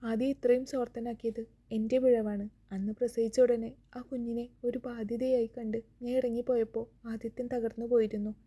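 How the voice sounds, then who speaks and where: A remorseful woman who speaks calmly and reflectively, as a woman voices her in a story. The delivery is very even, with little rise and fall. The tone is dark-mellow and husky. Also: on the high side. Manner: calm and reflective. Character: remorseful woman, calm and resigned.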